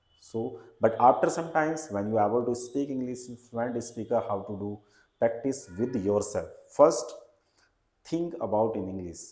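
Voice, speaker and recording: Speaking with an Indian accent, a man with a dark, mellow tone talks at a medium pitch and a moderate pace, with big swings in loudness and ordinary pitch variation. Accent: Indian English (Hindi speaker). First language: Hindi. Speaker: English teacher. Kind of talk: tutorial.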